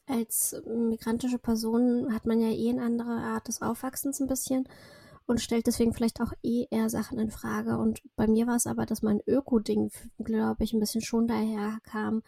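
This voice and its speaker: Woman, 30s, native Russian speaker, from Russia, podcast guest, reflective, rambling, gravelly, breathy. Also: a little high, completely flat delivery, a little slow, mellow, no room sound. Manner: reflective, rambling, frequent fillers and self-corrections. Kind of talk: casual interview chat.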